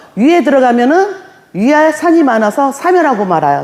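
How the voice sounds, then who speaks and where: Over noticeable background noise, a woman talks in an animated tone at a high pitch and a moderate pace, her pitch swinging very widely. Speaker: network marketing presenter. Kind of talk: sales pitch.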